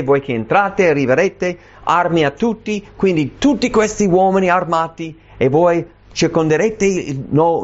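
Man reading scripture in a dull recording. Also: fairly high pitch. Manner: reads scripture then explains it plainly. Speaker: preacher. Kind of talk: Bible reading with commentary.

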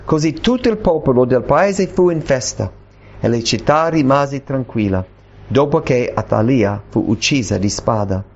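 A man's voice: medium pitch, lively intonation, a little slow, a little mellow. A man preaching in Italian, reading Bible verses aloud and stopping to explain them plainly. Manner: reads scripture then explains it plainly. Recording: dull lo-fi recording.

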